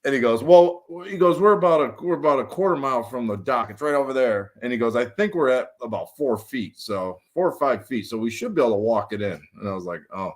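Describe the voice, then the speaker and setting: A man from Michigan with a Michigan accent, guesting on a podcast and telling stories with lively acted-out quotes and frequent laughter. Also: medium pitch, fast talker, few pauses. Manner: animated storyteller, acts out quotes, laughs often. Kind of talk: casual chat. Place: home studio.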